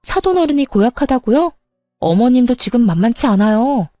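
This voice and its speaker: Woman, first-person story narration, sharp defiant retorts, mellow tone, faint music underneath. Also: a little high, very animated, fairly quick, no echo, clean studio sound. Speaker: storyteller narrating as daughter-in-law.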